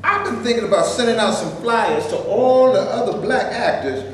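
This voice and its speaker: An actor in a staged reading playing an earnest, heated Black actor from the 1930s who wants justice. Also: male voice, sits high, expressive, normal speed. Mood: indignant. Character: Black male actor in the 1930s, indignant and determined. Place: stage before a live audience. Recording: very echoey room, faint noise.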